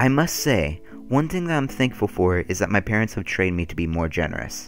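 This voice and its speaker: With music in the background, a man with a very deep, low pitch talks at a fairly quick pace and makes very wide pitch swings. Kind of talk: personal commentary monologue.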